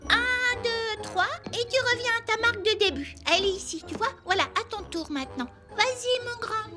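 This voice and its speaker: Very high, perky cartoon girl. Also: moderate pace. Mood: coaxing. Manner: gushing, coaxing. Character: glamour-loving, affectionate, perky cartoon girl. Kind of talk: French-dubbed children's cartoon acting. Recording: music behind the voice.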